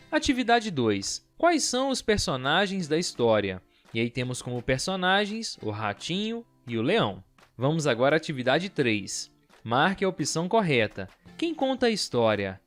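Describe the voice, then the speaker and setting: A young man teaching children, his voice sitting a little high and swooping up and down in a cheerful sing-song. He walks through a school lesson step by step, with soft music playing behind him. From Brazil.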